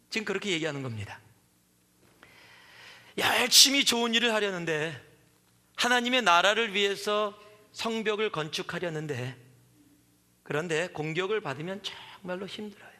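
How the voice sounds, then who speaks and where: A man's voice: high voice, pushed and bright. A man in his forties preaching a sermon as pastor, telling stories animatedly and acting out the voices he quotes. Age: 40s. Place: church sanctuary. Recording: reverberant church hall.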